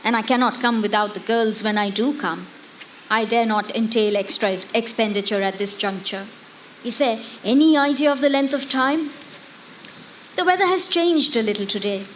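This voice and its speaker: Devoted, longing wife of a prisoner, played by a woman, higher-pitched, literary and expressive stage letter reading, faint noise behind. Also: moderate pace, lightly acted, poor audio. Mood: weary, resigned. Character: devoted, longing wife writing letters to her imprisoned husband. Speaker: dramatic reader. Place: outdoor garden festival stage. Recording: live outdoor festival, faint background noise.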